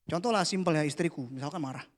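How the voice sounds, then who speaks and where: Guy preaching to youth, high voice, playful and chatty, goes quiet for prayers. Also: quick pace. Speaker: youth pastor. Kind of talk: casual youth sermon. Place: church hall.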